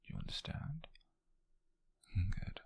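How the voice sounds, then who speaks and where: A British man playing a gentle, teasing witch mentor in an ASMR roleplay, speaking in a breathy, hushed half-whisper with soothing, intimate phrasing. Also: no room sound, natural voice. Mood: gentle, reassuring. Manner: soothing, intimate, unhurried, softly formal phrasing. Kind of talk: ASMR roleplay addressed to the listener.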